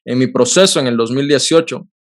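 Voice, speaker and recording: A man, hosting a Christian talk and telling a personal testimony in an earnest, emotional way. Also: medium pitch. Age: 30s. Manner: earnest, emotional storytelling with quick bursts. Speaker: podcast host. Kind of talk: Christian testimony in casual conversation.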